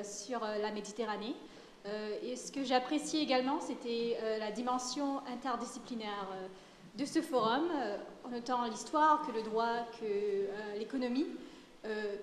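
Young woman from mauritius, student, lots of euhs, slightly high voice, echoey hall w faint hum. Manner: hesitant, many fillers, switches languages. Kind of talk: audience testimony.

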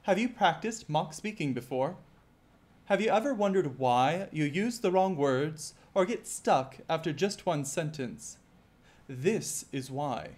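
A man with a slightly raised voice teaches an exam-prep lesson. He speaks in a clear, measured, scripted way and often asks the viewer rhetorical questions. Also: on the high side, expressive, a little mellow, slight background noise. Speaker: IELTS teacher.

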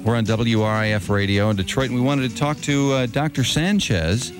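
A man's voice: mid-range voice, fairly quick, music in the background. A man with an American accent bantering casually as a morning radio host, close on a studio mic. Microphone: close broadcast studio microphone with headphones.

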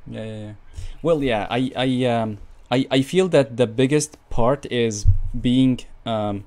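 A man's voice: mid-range voice, a little mellow. A young man hosting a video call interview, thinking aloud with many fillers and searching phrasing. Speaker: podcast host. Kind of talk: casual interview conversation. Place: home room, video call.

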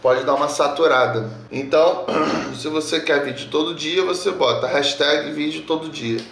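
A man's voice: fairly high pitch, moderate pace, gravelly, fairly bright tone, distant mic, a little hiss or hum. A young man vlogging casually to camera with a sore throat, speaking in a slangy, chatty way outdoors. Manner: slangy, talks straight to camera. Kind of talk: casual vlog chat. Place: outdoors against a sunny wall.

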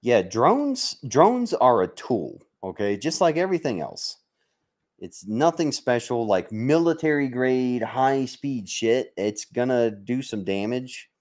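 Speaking slowly but very animated, a Mississippi-born American livestream host chats with his viewers in a medium-pitched, darkish voice. The military veteran is blunt and sweary, joking and bantering as he goes.

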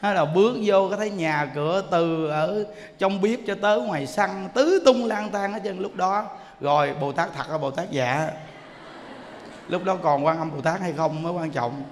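A Buddhist monk, giving a sermon as a lively storyteller who often asks his listeners "see?". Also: high-pitched, moderate pace, long reverb tail, a little hiss or hum. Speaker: Buddhist monk teaching dharma. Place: temple hall.

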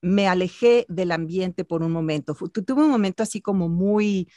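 A woman's voice: fairly low pitch, normal speed, dry recording. A middle-aged woman from Mexico City, born in Italy, telling her story as an interview guest over a video call. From born in Italy, raised in Mexico City. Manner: animated, gestures while telling stories. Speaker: guest, actress and voice artist. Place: home room with bookshelf.

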